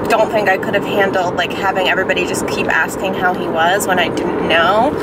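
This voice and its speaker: The woman's voice sounds dry with no echo, over loud background noise. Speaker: vlogger. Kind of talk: casual vlog chat. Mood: concerned, animated. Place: car. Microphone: phone near.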